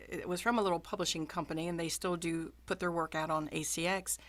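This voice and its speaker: A woman's voice: on the low side, a bit bright. A woman audiobook narrator hosting a casual video call chat, talking with plenty of ums and friendly encouragement.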